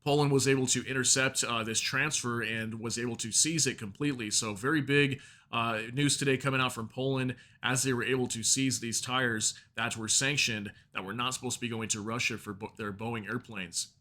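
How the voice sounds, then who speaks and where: A man's voice: medium pitch, fairly even intonation, a little fast, bright, forceful tone. A man hosting a news video, reading out reports and adding informal commentary addressed straight to viewers.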